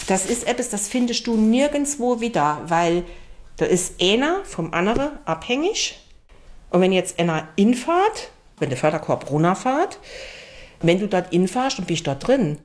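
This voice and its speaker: Woman in her fifties with a Saarland dialect. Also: mid-range voice. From Saarland, Germany. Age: 50s. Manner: chatty, blunt, dialect-coloured speech. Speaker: interviewee. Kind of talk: casual personal account.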